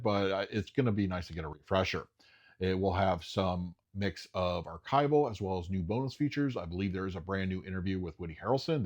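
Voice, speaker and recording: Man, lowish voice, casual solo commentator, enthusiastic, chatty with fillers. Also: lo-fi sound. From United States. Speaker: home video reviewer.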